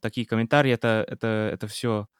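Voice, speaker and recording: A man's voice: mid-range voice, steady tone, clear, resonant tone, dry recording, studio quality. An Englishman who co-hosts a podcast and teaches the language, speaking with an English accent in a hesitant casual chat. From England. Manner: hesitant, many pauses and restarts. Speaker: podcast co-host, Russian teacher.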